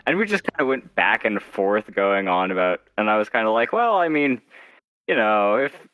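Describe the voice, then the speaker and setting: A man's voice: on the low side, sing-song, moderate pace, fairly bright tone, clean tone, no room sound. A man from Oregon chatting casually as an interview guest, rambling wryly and acting out his own thoughts. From Oregon, United States. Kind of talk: casual chat.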